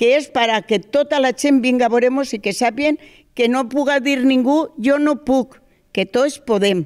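A woman's high-pitched voice at a fairly slow pace over a quiet background. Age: old. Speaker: amateur theatre performer. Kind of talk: interview. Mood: warm, proud. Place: stage. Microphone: handheld.

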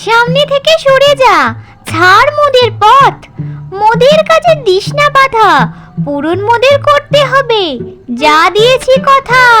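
Very slow and at an extremely high pitch, a female-sounding cartoonish character voice plays over clear music in the background. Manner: firm, bold.

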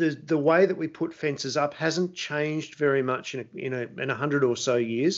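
In a quiet background, a man with an Australian accent speaks at a moderate pace, his pitch fairly high and his intonation fairly even. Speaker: farming channel host. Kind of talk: interview. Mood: calm, engaged. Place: home room. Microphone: headset.

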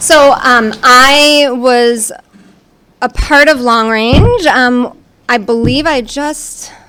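The voice belongs to a woman and sits high in pitch. Her pitch varies in an ordinary way. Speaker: school board candidate. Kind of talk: interview.

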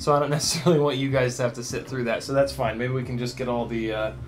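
Faint music plays in the background under speech with fairly even intonation. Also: man. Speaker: FPV drone hobby streamer. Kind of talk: casual live stream chat. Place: home room.

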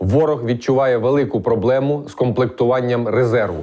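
The man's voice has a dark, mellow tone and ordinary pitch variation. He speaks at a moderate pace against a quiet background. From Ukraine. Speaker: military spokesperson; military spokesman. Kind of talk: official statement reading. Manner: formal. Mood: serious, measured.

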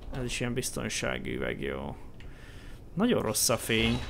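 Fairly slow male speech in audible room echo. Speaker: gaming video creator. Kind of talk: let's play commentary.

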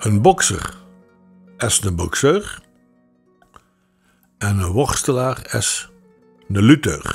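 With a Ghent accent, a man speaks at a very slow pace and a medium pitch, with long, frequent pauses. His pitch swings very widely, and there is music in the background. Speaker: dialect teacher. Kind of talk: language lesson podcast.

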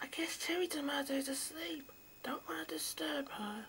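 Over light background noise, a female-sounding cartoonish character voice talks at a moderate pace in a high pitch.

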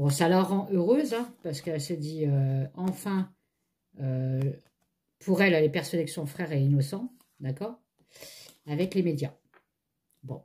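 A woman with a very deep, low pitch and a dark, mellow tone speaks fairly slowly and somewhat breathily, with ordinary pitch variation and long, frequent pauses. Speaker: tarot card reader YouTuber; tarot reader. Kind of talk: casual tarot reading monologue. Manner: chatty, hesitant with fillers; self-reminder to speak slowly. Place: home room. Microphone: phone near.

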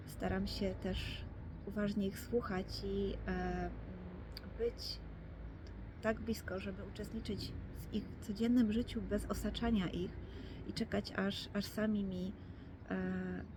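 A woman whispers, soft-spoken, at a very slow pace with long, frequent pauses. Noticeable background noise sits behind her. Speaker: mother. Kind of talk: intimate personal talk to listeners. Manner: whispered, soft-spoken.

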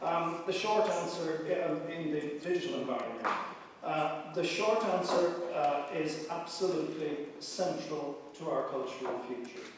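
A man speaks fairly slowly at a high pitch, with ordinary pitch variation. Strong room echo and light background noise surround him. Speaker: panelist. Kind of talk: panel discussion remarks. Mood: wry, humorous. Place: hall.

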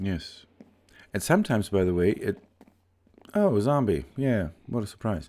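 A man speaks at a moderate pace with a fairly low pitch and a dark, mellow tone. His intonation is lively, broken by long, frequent pauses. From Germany. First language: German. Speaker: gaming YouTuber. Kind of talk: let's play commentary. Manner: halting.

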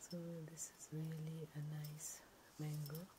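At a very slow pace, a soft-spoken woman whispers while noticeable background noise sits behind her. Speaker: ASMR creator. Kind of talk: ASMR eating video. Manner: whispered, soft-spoken.

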